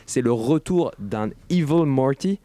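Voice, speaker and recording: A man's voice: mid-range voice, animated, measured pace, dark tone. A man on a panel explaining a series at length with enthusiasm. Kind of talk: casual panel chat.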